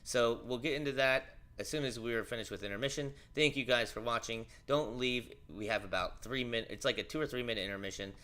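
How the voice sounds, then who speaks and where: A man's voice: mid-range voice, brisk, few pauses, pushed and bright. A man hosting a livestream, reading news and commenting in a rambling, offhand way with many fillers.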